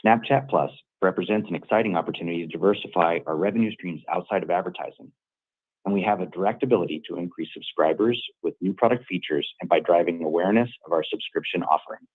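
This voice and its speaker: A man's voice: sits low, quick pace, slightly rough. A man reading scripted, formal remarks as an operations executive on an earnings call. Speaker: chief operating officer. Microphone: conference call line. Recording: muffled, narrow phone-like call line.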